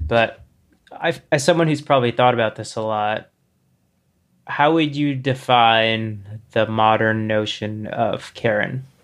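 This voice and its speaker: A man with an unremarkable speaking voice talks at a fairly slow pace, at medium pitch with ordinary variation. The background is quiet. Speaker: podcast host. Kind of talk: casual interview.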